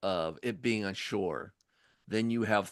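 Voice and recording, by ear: Someone is reading aloud in a natural voice. The background is quiet.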